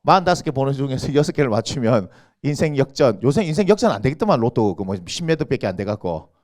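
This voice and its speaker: A man's voice: medium pitch, big pitch swings, fast, darkish tone. A male senior pastor, preaching a sermon in a church and quizzing the congregation with rhetorical questions. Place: church sanctuary.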